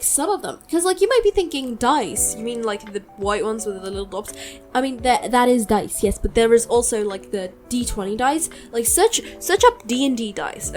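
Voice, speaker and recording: A woman who is sick, chatting informally and enthusiastically in a rambling, halting way, as if on a solo podcast. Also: mid-range voice, a little mellow. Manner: hesitant, halting, rambling delivery; informal, enthusiastic, mild swearing. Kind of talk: casual rambling chat.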